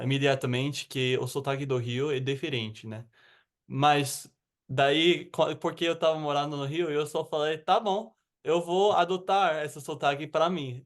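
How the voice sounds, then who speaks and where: An American man who speaks learned Portuguese with a Rio accent, chatting casually and a bit rambly as an interview guest. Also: fairly high pitch. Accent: American, with Rio de Janeiro Portuguese. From United States. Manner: relaxed, rambling with fillers.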